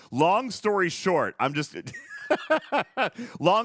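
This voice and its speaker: Very wide swings in pitch from a male speaker, with noticeable noise behind him. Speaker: podcast host. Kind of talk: live podcast chat. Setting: live podcast taping.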